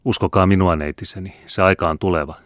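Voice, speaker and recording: A man reading the part of a kindly king, speaking courteously and gently. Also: sits low, fairly even intonation, no echo, clean studio sound. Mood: gracious. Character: kindly gracious male king.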